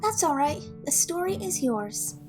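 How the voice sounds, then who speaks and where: A gentle young servant woman, acted by a woman with a distinctly high voice, speaking over clear background music. She is careful, earnest and reassuring, in the style of an audio drama. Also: big pitch swings, unhurried. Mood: gentle, caring. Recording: music under the voice.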